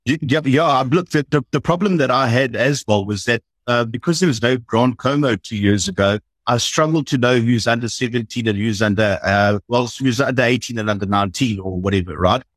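A man with a mid-pitched voice chats loosely about his rugby picks and is quick to laugh at his own mistakes. His voice sounds dry and close to the mic. It is an easygoing podcast discussion. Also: no room sound. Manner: chatty, self-deprecating. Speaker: rugby analyst.

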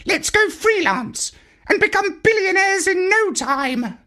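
A man's voice: lively intonation, slow, sharp tone, exaggerated voice. A man voicing a bossy, boastful, brainy parrot with a squawky voice in a children's storybook. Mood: indignant, boastful. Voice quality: squawky, shrill. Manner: bossy, pompous. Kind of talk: children's audio storybook character.

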